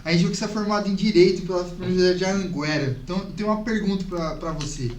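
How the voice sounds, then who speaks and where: Young male co-host, São Paulo accent, fast delivery, slightly high voice, casual, recorded off-mic in a room. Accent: São Paulo Brazilian. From São Paulo, Brazil. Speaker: podcast co-host. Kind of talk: casual interview chat. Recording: roomy, distant mic, background noise.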